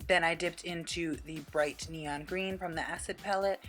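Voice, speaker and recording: A woman's voice: lowish voice, fairly even intonation, moderate pace, loud music behind the voice. A woman narrating a makeup tutorial in a casual, chatty voice-over, informal and playfully quirky.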